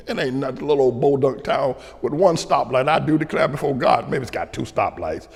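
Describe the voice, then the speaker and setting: An older man from North Carolina with a Southern accent, a pastor preaching commentary, dropping to quiet asides and then rising to shouted declarations with chuckles between. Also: lively intonation, normal speed, creaky. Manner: swings from low asides to shouted outbursts, chuckling. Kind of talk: preaching commentary to a broadcast audience. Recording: long hall reverb.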